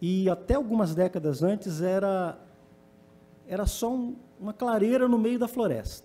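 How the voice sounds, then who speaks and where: Using an interior Paraná accent, a man with a high pitch and ordinary pitch variation talks at a moderate pace with long, frequent pauses. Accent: Londrina interior Paraná. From Brazil, interior of Paraná (Londrina). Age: 40s. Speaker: newspaper columnist. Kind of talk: panel talk. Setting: stage with audience at city council hall.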